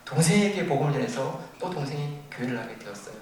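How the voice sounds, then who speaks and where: Older korean-church-style pastor guy preaching, lively storytelling, boomy distant sound with faint hiss. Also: quick pace. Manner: animated storytelling, acting out shouted quotes. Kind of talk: sermon with storytelling. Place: church sanctuary. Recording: very echoey, distant from the mic, faint noise.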